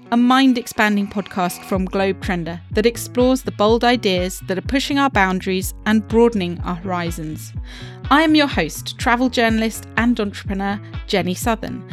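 A woman in her thirties hosting a podcast, reading an introduction and sponsor message from a script. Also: medium pitch. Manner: smooth, read from script. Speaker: podcast host, travel journalist.

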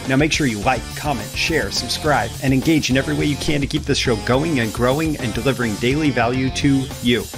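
A male host talks through money advice in a relaxed, off-the-cuff way. His voice sits in an ordinary middle register. He circles back over phrases, saying them again and again for emphasis. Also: mid-range voice, a little fast, hardly any pauses, over music. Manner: conversational, repeats phrases for emphasis. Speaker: show host. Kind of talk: casual solo talk to camera about money.

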